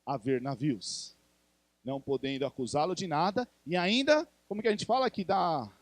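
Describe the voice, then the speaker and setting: A male pastor with a Brazilian Portuguese accent preaches a conversational sermon in church, putting questions to the congregation. His voice is fairly high and expressive at a moderate pace, with no room sound.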